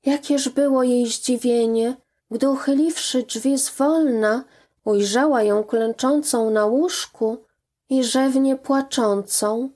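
A woman narrating a classic children's story in a calm, even, unhurried way. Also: high-pitched.

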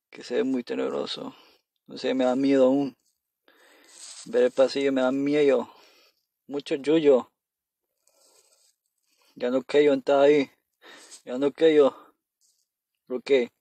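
A man's voice: medium pitch, level tone, unhurried, gravelly, pauses often, dark tone, dry recording. A man casually commenting as he plays a horror game on his phone, nervous, talking to himself and repeating phrases when scared. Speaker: gamer playing on a phone.

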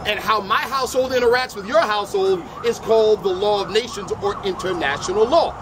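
A middle-aged man debating outdoors on a city sidewalk, speaking into a handheld mic in a measured, lecturing way that repeats its phrases. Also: high-pitched. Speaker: street debater. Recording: noisy outdoor street recording. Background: crowd and traffic noise.

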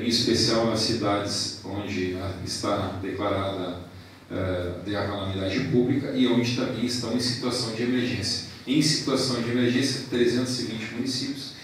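A man's voice: on the low side, far from the mic, slight background noise. Man giving a speech in an echoey hall. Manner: measured, listing thanks and points with pauses. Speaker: professional council president. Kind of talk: formal ceremony speech. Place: large indoor hall. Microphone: handheld mic.

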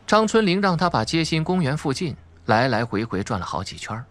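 A man's voice: fairly high pitch, sing-song, a little fast, fairly bright tone. A man narrating suspense fiction from a script in a dramatic audiobook style.

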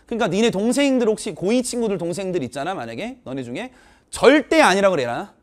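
A male test-prep teacher with a high voice that swoops wildly up and down. He rants in exasperation about an exam and talks to his students directly and informally. He mixes polite phrasing with blunt, casual remarks. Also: quick pace. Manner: animated, exasperated ranting, addressing students directly; switches between polite and casual speech.

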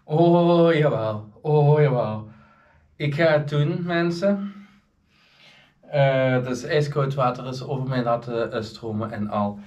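A man in his thirties with a Flemish accent, chatting casually to his vlog camera in halting phrases. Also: medium pitch, darkish tone, lo-fi sound. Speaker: vlogger. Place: indoors at home, rooms and bathroom. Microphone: camera at arm's length or a few steps.

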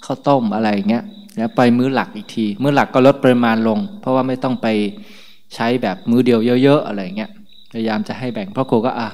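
A male monk gives an easygoing morning sermon in a conversational tone and laughs lightly between remarks. His mid-pitched voice rings out with a long hall reverb. He sounds unhurried and informal, like he is talking with his listeners. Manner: chatty and relaxed, laughs often between remarks. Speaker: Buddhist monk.

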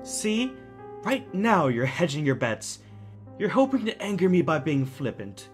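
A man playing a calculating, smugly theatrical kidnapper in an audio drama, mocking with drawn-out, deliberate phrasing. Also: fairly high pitch, big pitch swings, music in the background.

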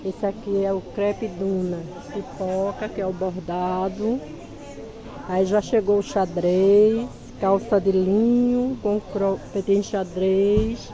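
A woman's voice: mid-range voice, steady tone, takes it slowly, dull audio, a crowd in the background. A woman with a Pernambuco accent, an easygoing market stall seller showing off her clothes while filming casually at a busy clothing market. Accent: Pernambuco Portuguese. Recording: noisy crowded market.

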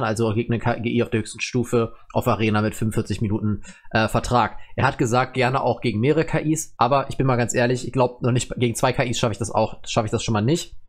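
A man hosting his own gaming channel, chatting casually and rambling with many fillers and restarts while he plays a strategy game. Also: medium pitch. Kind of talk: casual gameplay commentary.

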